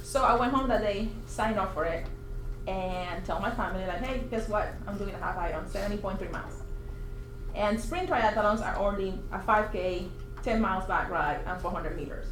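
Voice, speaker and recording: A woman's voice: mid-range voice, moderate pace. Woman from puerto rico chatting at a team meeting, echoey office room, far camera. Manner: chatty, animated retelling with quoted asides. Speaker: interviewed agent. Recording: echoey room, faint hiss.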